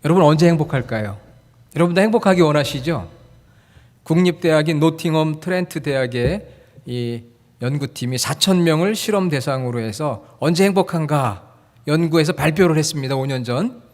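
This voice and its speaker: Korean-speaking male pastor, a touch higher voice, chatty sermon that teases and questions the congregation, long echo in the sanctuary. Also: expressive, normal speed, darkish tone. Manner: friendly, jokes and quizzes the congregation. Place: church sanctuary. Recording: long hall reverb.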